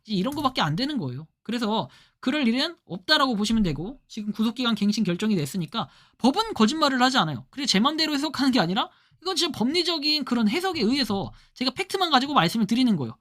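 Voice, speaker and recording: A woman talking fast with a lively, rising and falling voice, set a little higher than most. She explains things casually to her viewers and keeps firing rhetorical questions at them, tagging her points with a quick "right?". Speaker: commentator.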